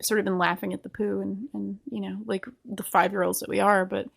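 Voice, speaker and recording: A woman's voice: medium pitch, flat delivery, fairly quick, creaky, slightly rough. Rhode island woman rambling about games on a podcast, laughs at herself a lot. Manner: rambling, self-deprecating, laughs often. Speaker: podcast co-host. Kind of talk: casual podcast chat.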